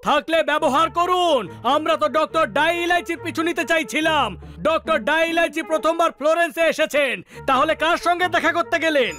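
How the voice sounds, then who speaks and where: খুব উঁচু গলার কার্টুন চরিত্র. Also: male voice, very high-pitched, fairly even intonation, pushed and bright. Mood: curious. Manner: quick sarcastic questions, repeated catchphrase. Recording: studio voice with music behind.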